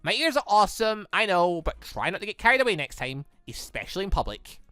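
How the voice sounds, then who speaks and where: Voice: medium pitch, big pitch swings, fast talker, pushed and bright, clear, resonant tone, no echo. A gaming host voicing a brash, teasing young rabbit-eared girl from a visual novel, with sassy, blunt delivery. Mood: bossy.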